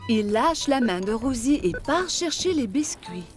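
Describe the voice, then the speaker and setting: A woman narrating a children's cartoon in an expressive storytelling manner. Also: a little high, unhurried, faint music behind.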